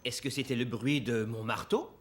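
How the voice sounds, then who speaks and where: A man's voice: mid-range voice, normal speed, heavy background noise, lightly acted. A man playing a helpful, patient cartoon father who explains things encouragingly. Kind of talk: cartoon dubbing.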